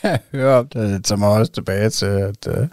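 A man's voice: fairly low pitch, darkish tone, no echo, studio quality. A man with a Danish accent hosting a podcast, asking short questions in casual conversation. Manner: short prompting questions and backchannels. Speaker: podcast host. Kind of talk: casual interview chat.

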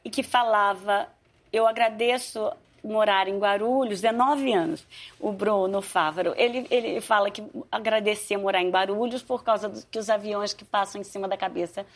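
A stage actress chatting in an interview, telling stories with lots of life and acting out quotes. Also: female voice, mid-range voice, moderate pace. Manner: lively storytelling, acts out quotes. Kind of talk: casual interview chat.

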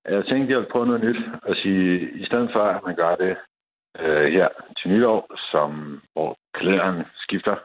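A man calling in to a radio show, hesitant and self-deprecating, with many fillers. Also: deep voice. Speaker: caller. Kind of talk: call-in radio chat. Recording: tinny phone line.

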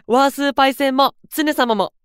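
A man's voice: extremely high pitch, brisk, fairly bright tone, dry recording, studio quality. A man playing a cheerful, carefree junior idol with breezy, boyish, slangy delivery in an anime-style audio drama. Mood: upbeat.

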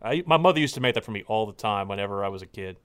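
A man hosting a loose, casual podcast, his voice smooth and clear at a middling pitch. He talks in long, rambling stretches, stopping to restart his sentences and filling gaps with "uh". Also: expressive, very fast, fairly bright tone. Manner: rambling, many fillers and restarts. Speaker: podcast host.

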